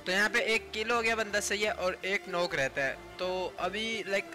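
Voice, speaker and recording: A man's voice: sits high, moderate pace, sharp tone. A man giving casual gameplay commentary in a voice-over. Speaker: gaming video creator. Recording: music bed under voice. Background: background music.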